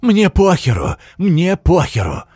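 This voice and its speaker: A man voicing a desperate male henchman who shouts curses hysterically. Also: high-pitched, wildly swooping pitch, takes it slowly, husky, dry recording, faint music behind, pitched above the performer's own voice, full character voice. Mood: defiant shouting. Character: defiant, desperate male henchman facing execution.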